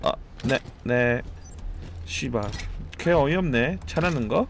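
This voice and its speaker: A man streaming a competitive game, commenting live, cheering teammates and shouting and swearing as he plays. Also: mid-range voice, slow, creaky, noisy background. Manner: excitable, shouts and swears during play; cheers on teammates with repeated calls.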